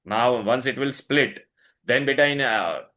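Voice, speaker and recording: A man's voice: mid-range voice, measured pace, sharp tone. A man with a South Asian accent teaching a one-on-one lesson, switching between English and Hindi and repeatedly quizzing the student with checking questions. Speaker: chemistry tutor.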